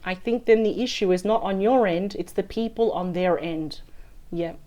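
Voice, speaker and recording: Woman, tarot reader, husky and weak after a sore throat, chatty, thinks aloud, medium pitch. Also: moderate pace, dark tone. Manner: chatty and thinking aloud, often adds "right?". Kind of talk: weekly tarot card reading.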